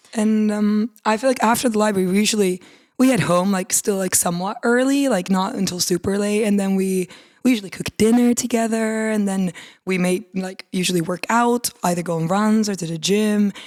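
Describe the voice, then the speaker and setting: In a very clean recording with a silent background, a woman with a Swedish accent speaks at a fairly quick pace in a medium pitch with fairly even intonation. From Helsinki, Finland. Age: 20s. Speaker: medical student. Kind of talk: casual chat.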